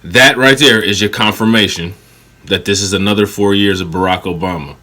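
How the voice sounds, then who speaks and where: A man's voice: lowish voice, a little fast, sharp tone, slight background noise. A man hosting a reaction video, cutting into a clip with blunt, profane and sarcastic commentary.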